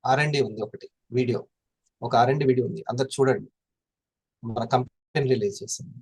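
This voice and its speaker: A man's voice: medium pitch, quick pace, a little mellow, breathy edge, no echo. A man explaining in a classroom style, constantly asking his listeners questions. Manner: asks the audience questions often. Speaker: presenter explaining health products.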